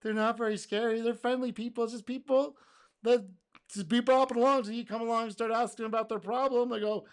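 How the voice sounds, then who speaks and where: A man hosting a casual reaction video, speaking in an animated way, laughing and acting out quotes, his voice going a little hoarse. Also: very high voice, brisk. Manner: animated, exclaims and laughs, acts out customer quotes. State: getting hoarse.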